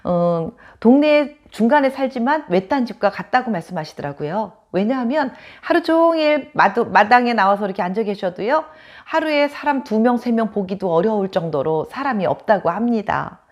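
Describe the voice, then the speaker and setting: A woman's voice: a little high, animated, moderate pace. Korean woman from chungcheong, chatty host talking to camera, laughs a lot. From Chungcheong, South Korea. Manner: chatty storyteller, laughs often. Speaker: channel host. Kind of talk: casual talk to camera.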